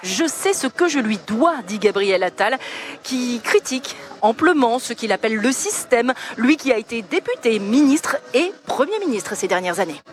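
A woman political reporter narrating a news piece in a measured way. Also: a little high, animated.

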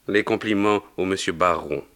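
A man's voice: moderate pace, fairly bright tone. A man voicing an elderly, kindly but fussy pope who chatters and teases a visitor in a storybook reading. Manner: chatty, theatrical, swooping pitch. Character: old pope, benevolent, fussy and teasing.

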